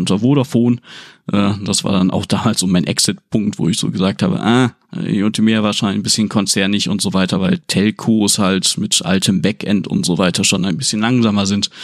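A man speaks in a plain, everyday voice at a fairly low pitch. His pace is fairly quick, with ordinary pitch variation. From East Frisia, northern Germany. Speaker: web analytics specialist. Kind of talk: casual chat. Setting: studio.

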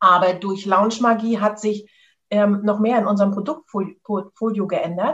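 This woman has an unremarkable speaking voice in a medium pitch. She speaks fairly slowly with fairly even intonation. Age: 50s. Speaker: horse therapist. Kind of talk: interview.

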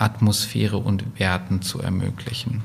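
A man's voice with vocal fry at a moderate pace. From Switzerland. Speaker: company CEO. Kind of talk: interview. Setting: company office.

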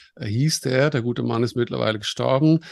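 A man's voice at a medium pitch, with ordinary pitch variation, against a quiet background. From Netherlands. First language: Dutch (speaking German). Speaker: AI consultant. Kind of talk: interview. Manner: halting, many fillers.

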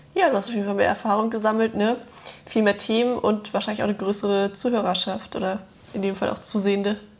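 Against noticeable background noise, a woman talks very fast. Her intonation stays monotone and flat. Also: medium pitch for a woman. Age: 20s. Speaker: law student, podcast co-host, author. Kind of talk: casual chat. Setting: studio sofa.

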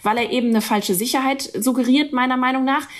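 Over noticeable background noise, a woman talks at a very fast pace. Her pitch is high. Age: 30s. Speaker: physician and children's skincare founder. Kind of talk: podcast interview.

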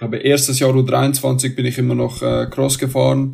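With a somewhat breathy quality, this man talks in a monotone, flat intonation. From Switzerland. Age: 20s. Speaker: professional road cyclist. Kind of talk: interview.

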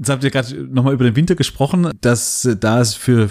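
A man speaks in an ordinary speaking voice at a medium pitch. His intonation is lively and his pace moderate. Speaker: podcast host. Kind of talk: interview.

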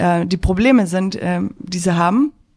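Fairly slow delivery in a plain, everyday voice. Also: woman. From Allgäu, Bavaria. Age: 30s. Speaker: agricultural engineer. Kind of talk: interview. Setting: press centre at trade fair.

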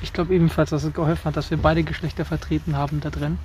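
Very fast speech from a man, with noticeable noise in the background. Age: 20s. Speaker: youth parliament member. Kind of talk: casual group interview.

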